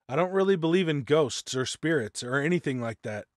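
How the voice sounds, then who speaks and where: Guy reading a spooky story, slightly higher voice, super dry recording no echo. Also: expressive, brisk. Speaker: guest narrator of scary stories. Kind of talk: scripted first-person horror story narration.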